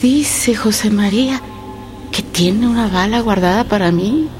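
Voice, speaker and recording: Actress playing worried Mexican countrywoman, middle-aged mother, unhurried, plain-spoken, radio theatre. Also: mid-range voice, music in the background, lightly acted. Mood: troubled, fearful. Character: worried rural mother of grown children, threatened.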